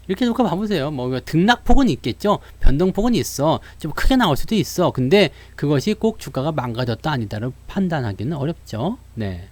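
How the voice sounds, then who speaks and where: Brief: lively male market host, voice leaps around, dry close sound, talks to viewers and plays out their worries. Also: medium pitch, no room sound. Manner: lively, acts out investors' worries and answers them; addresses viewers directly with frequent fillers. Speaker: stock market broadcaster. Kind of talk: live stock market lesson.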